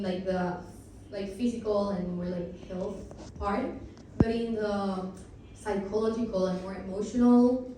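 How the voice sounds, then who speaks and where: A woman's voice: mid-range voice, warm tone, a little hiss or hum. A woman, telling her personal story as a patient on a panel, chatty and full of fillers. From Costa Rica. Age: 20s. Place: conference hall. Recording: echoey hall from far off.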